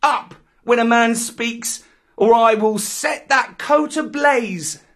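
A man's voice: high voice, lively intonation, takes it slowly, fairly bright tone, pitched above the performer's own voice, exaggerated voice. A man voicing a proud young jungle boy in a storybook, defiant and commanding, with declamatory archaic speech. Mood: scornful, fierce. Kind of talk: dramatic storybook reading.

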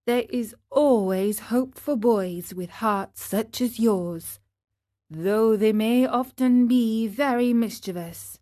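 A woman reading an audiobook, voicing a wise, motherly fairy who speaks calmly and tenderly. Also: fairly high pitch, takes it slowly, dry recording, clean studio sound. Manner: calm, tender and instructive.

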